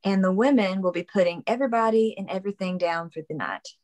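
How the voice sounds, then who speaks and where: A woman's voice: medium pitch, quick pace, a little mellow, lightly acted. A woman playing a plain-spoken, teasing young coal-town woman in a dramatic table read. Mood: coy.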